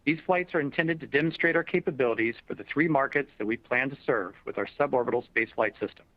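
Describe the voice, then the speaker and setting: A man's voice: mid-range voice, fast, no echo. Male executive, dry and slightly dull sound. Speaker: chief executive. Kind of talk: prepared earnings call presentation. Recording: dull, dry conference call audio.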